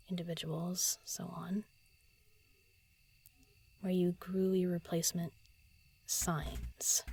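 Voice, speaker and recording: A woman playing a solitary, pensive writer in an audio drama, murmuring halting lines to herself as she composes, often half-whispering. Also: lowish voice, creaky, darkish tone, breathy edge, heavily acted. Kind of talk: intimate audio drama monologue, thinking aloud.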